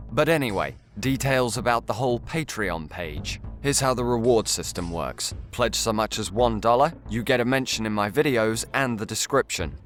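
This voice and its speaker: A man's voice: on the low side, fairly bright tone. A man giving a scripted, earnest address to viewers as a video creator, articulate and slightly formal.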